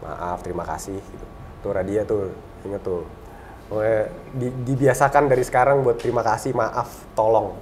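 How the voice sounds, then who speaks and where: A man in his thirties, a talk show guest, telling a personal story in a relaxed, reflective way and going soft and low on sad memories. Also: normal speed, a little hiss or hum. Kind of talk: casual conversational storytelling.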